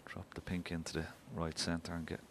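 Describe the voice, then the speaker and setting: A man giving live snooker commentary in a hushed, measured manner. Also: low-pitched, little pitch movement, gravelly, a crowd in the background.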